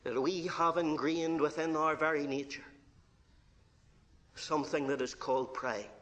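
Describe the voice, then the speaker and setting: A man with a Northern Irish accent preaching a verse-by-verse sermon. He moves between hushed asides and ringing declarations, and he calls his listeners "friend". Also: fairly high pitch, fairly even intonation, unhurried. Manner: addresses listeners directly as friend.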